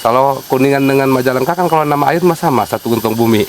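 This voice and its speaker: A man's voice: medium pitch, fast, a little hiss or hum. A man with a Sundanese accent, working as a site guide, explains things unhurriedly, with many fillers. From West Java, Sundanese. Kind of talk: casual explanatory interview. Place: outdoors at a wooded sacred site.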